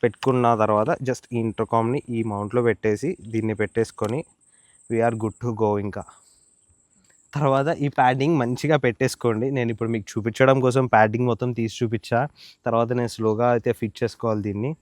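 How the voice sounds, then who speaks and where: A man's voice: mid-range voice, fairly even intonation, quick pace, a little mellow, dry recording, studio quality. A man with a Telugu Indian accent giving a casual, explanatory product tutorial, mixing English words into his informal speech. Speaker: motovlogger reviewing and demonstrating gear.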